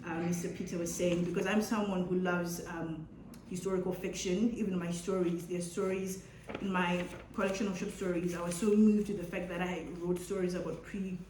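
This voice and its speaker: A woman's voice: on the low side, a little mellow. A young woman speaking as an author on a festival panel, earnest, with frequent ums and restarts. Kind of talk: panel talk at a book festival. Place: event hall. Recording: echoey hall, background noise.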